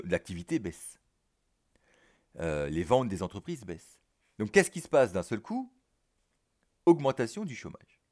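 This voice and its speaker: A man with a low voice that swings up and down a lot gives a recorded lesson over slides. He talks in a casual, chatty way, with many fillers and side remarks. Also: darkish tone. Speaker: teacher.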